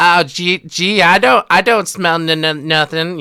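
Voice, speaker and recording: A man's put-on, whiny character voice, high-pitched, at a moderate pace, with very even loudness and fairly even intonation. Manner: hesitant, stuttering.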